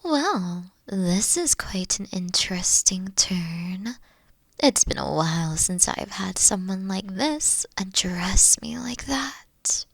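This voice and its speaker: Woman playing a slow, coy, mature queen. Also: medium pitch, lively intonation, fairly bright tone, no room sound, full character voice. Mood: regal, coy. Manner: slow, breathy, coy delivery. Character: mature regal queen, teasing, flirtatious, secretly protective. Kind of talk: roleplay audio acting.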